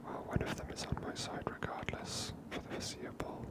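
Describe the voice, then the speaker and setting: A gaming ASMR host whispers throughout. The commentary is hushed and unhurried, thinking aloud step by step, spoken close to the microphone.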